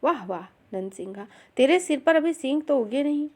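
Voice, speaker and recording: A woman's voice: high-pitched, expressive, normal speed, a little mellow. A woman voicing a mocking elderly village elder who lectures scornfully. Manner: scornful, preachy.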